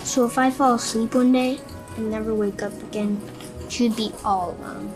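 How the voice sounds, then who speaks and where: A woman's voice: fairly high pitch, fairly even intonation, normal speed, lightly acted, low-quality recording. A woman voicing a curious, chatty little boy who is a hospital patient, talking sweetly and earnestly. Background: music.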